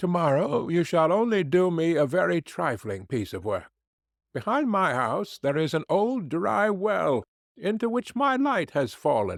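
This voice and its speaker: A man's put-on character voice, high-pitched and fairly slow, on a very clean recording with a silent background. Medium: read story. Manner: scornful, crafty.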